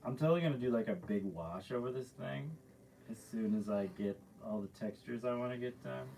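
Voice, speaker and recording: A man's voice: mid-range voice, brisk, vocal fry, dark tone, a little hiss or hum, poor audio. A man, a painter hosting a live stream from his art studio, chatting casually and rambling through loose stories with lots of fillers as he paints.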